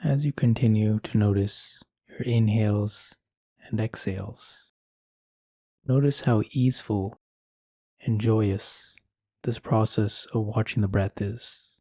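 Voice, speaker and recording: A man leading a guided meditation in a calm, soothing, unhurried manner, leaving long pauses between phrases. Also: fairly low pitch, dry recording, clean studio sound. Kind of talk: guided meditation, slow scripted instruction.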